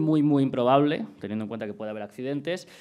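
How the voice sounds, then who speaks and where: Over a quiet background, a man talks with ordinary pitch variation. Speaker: researcher; panelist. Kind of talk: panel talk. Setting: stage with audience. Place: hall. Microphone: podium.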